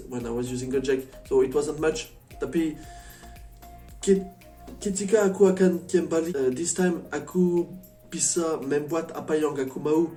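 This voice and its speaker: A man from France with a French accent chatting casually as a vlogger, a foreigner speaking halting learner's Indonesian and often slipping into English. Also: medium pitch, mellow. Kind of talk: casual chat to camera. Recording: echoey room, distant mic, faint music.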